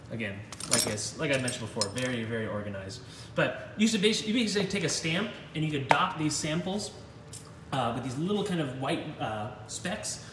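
A man's voice: mid-range voice, fairly bright tone, distant mic, a little hiss or hum. A man giving an informal walking tour of a university materials lab, talking in a rambling way with many fillers and dry self-deprecating asides. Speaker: university engineering instructor. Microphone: handheld phone camera while walking. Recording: very echoey room, voice off-mic.

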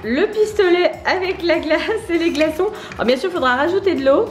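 A woman's voice: extremely high pitch, brisk, background noise. A mother hosting a family vlog outdoors by a garden pool, presenting water toys in a playful, teasing way and laughing often. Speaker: mother and channel host. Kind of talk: toy review vlog narration.

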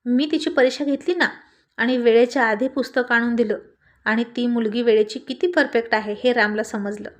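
A woman's voice: a little high, fairly even intonation, moderate pace, close to an everyday voice. A woman reading the lines of a friendly male college teacher who teases his student. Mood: kindly. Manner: friendly, teasing.

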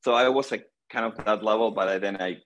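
A middle-aged guy from Argentina with a low voice talks slowly over his laptop cam in a small room at home. He's a senior pro pickleball player guesting on a casual video call interview, telling stories in a relaxed way with lots of pauses, "um"s, and hand gestures. The recording is muffled with a little hiss or hum.

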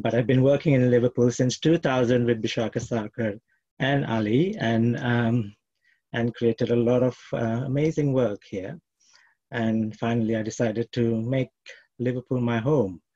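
A middle-aged man from Malaysia, a dancer and choreographer, introducing his work haltingly with many fillers over a video call. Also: mid-range voice, a little mellow. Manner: hesitant, many restarts and fillers. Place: plain room at home. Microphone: laptop webcam on video call. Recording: dull lo-fi video call audio.

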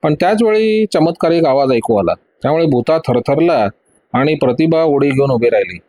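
A man reading a thriller audiobook in a steady, dramatic narration. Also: fairly high pitch, normal speed, no room sound.

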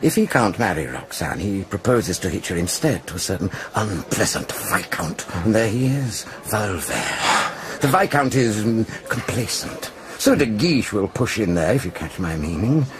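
An actor playing a worldly, wry drinker who gossips knowingly in a period radio drama. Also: male voice, on the low side, sing-song, unhurried. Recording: crowd murmur behind.

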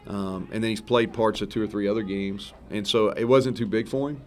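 Speaking on the low side and fairly fast, a football head coach in his thirties gives loose, honest answers after the game. He rambles and corrects himself but stays relaxed throughout. The setting is a press room with a sponsor backdrop, and he's recorded through a row of table microphones.

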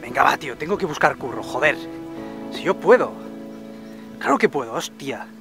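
A man's voice: mid-range voice, lively intonation, normal speed, creaky. A young man with a Spanish accent from Spain playing a dejected, broke guy who swears and answers curtly. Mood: gloomy. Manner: gloomy, swearing, curt. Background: background music.

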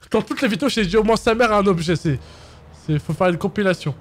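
Excitable raging gamer, high-pitched man. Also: a little fast. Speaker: gaming video host. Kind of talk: casual chat while gaming with friends.

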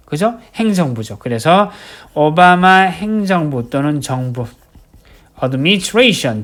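Male vocab instructor, lively up-and-down delivery, drills each word over and over. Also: high voice. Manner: drills words by slow repetition, writes as he explains. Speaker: English vocabulary teacher. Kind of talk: recorded vocabulary lecture.

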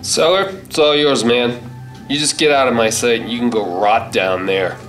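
A man's voice: medium pitch, moderate pace, natural voice. A middle-aged man playing a tough, sarcastic, take-charge survivor with a blunt, folksy manner in a radio play. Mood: angry. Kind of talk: stage radio-play acting. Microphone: stand microphone on a stage. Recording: loud music under stage performance.

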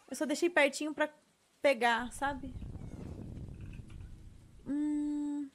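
A woman's voice: a little high, normal speed, a little hiss or hum. A woman with a Brazilian Portuguese accent, chatting to herself while playing a farming game. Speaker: streamer. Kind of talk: gameplay commentary.

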